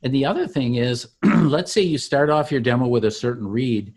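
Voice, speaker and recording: A man founder demonstrating his software tool step by step in an easygoing, explanatory way. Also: mid-range voice. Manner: relaxed, explanatory, slows to show steps. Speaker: software founder giving a demo. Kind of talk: walkthrough of an online tool.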